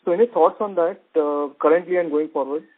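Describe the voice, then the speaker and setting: Higher-voiced male analyst on phone. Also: brisk. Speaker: analyst asking questions. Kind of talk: earnings call questioning. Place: conference phone call. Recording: thin phone line.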